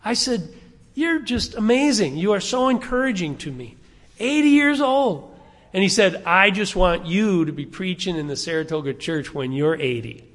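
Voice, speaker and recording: In a church sanctuary, a pastor in his sixties delivers a conversational sermon, frequently posing questions to his congregation. His voice is high-pitched and a bit bright, with lively intonation at a moderate pace, and the room sounds large.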